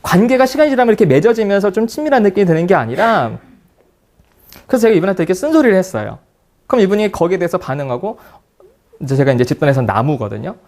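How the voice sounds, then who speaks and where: A middle-aged man lectures on psychology in a lively, storytelling way, his pitch rising and falling a lot as he acts out the people in his anecdotes. His voice sits a little high for a man. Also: racing. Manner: animated storytelling, acting out dialogue in quotes.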